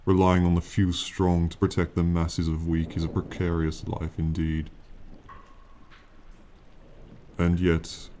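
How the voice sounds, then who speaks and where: A man performs an ancient male dragon in a fantasy ASMR roleplay. The voice is very deep and dark, with little rise or fall. The phrasing is stately and archaic, proud and condescending, yet fond of the mortal companion. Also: completely flat delivery, a little hiss or hum, close to an everyday voice. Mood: proud, warning. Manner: slow, formal, lofty, archaic phrasing.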